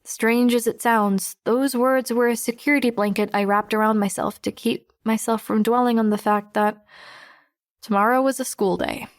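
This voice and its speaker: A woman playing a weary, guarded teenage girl superhero who narrates her own story in a measured, introspective audiobook style. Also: fairly high pitch, fairly even intonation, no echo, studio quality, lightly acted. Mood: reflective. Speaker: narrator and lead voice actor. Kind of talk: first-person audiobook narration.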